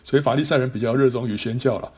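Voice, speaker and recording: Husky man giving a Bible lecture. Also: mid-range voice, rapid-fire. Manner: explanatory, frequent sentence-final particles and restarts. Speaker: Bible teacher.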